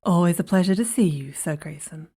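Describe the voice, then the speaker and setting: Skeptical queen, female actor: dark, soft-edged, fairly low, regal and dismissive. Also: fairly quick, husky. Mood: cool, dismissive. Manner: regal, dismissive, clipped irony. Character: cool, skeptical, haughty queen. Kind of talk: fantasy audio drama acting.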